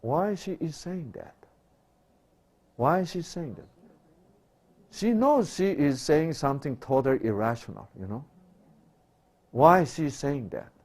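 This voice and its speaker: Man preaching, slow delivery, rhetorical questions, loud bursts then hushed asides. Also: expressive. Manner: asks rhetorical questions and answers them; swings between loud emphatic bursts and quiet low asides. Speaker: pastor. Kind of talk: sermon.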